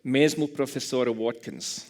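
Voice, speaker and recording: A man from Scotland giving an academic lecture in a second language with a Scottish English accent, careful and halting, correcting himself as he goes, with dry humor. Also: mid-range voice, steady tone. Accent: Scottish English speaker speaking Portuguese.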